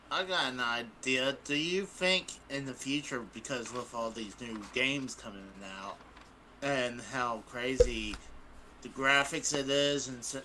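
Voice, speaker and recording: Male podcast guest, forward bright voice, halting casual delivery, some background noise. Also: medium pitch. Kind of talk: casual chat.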